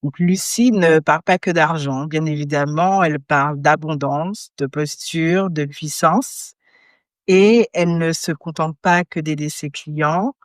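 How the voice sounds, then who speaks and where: A woman hosting a podcast, reading a clear, upbeat introduction and asking her guest questions. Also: low voice, a little slow, dry recording, studio quality. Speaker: podcast host. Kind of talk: scripted podcast intro then interview.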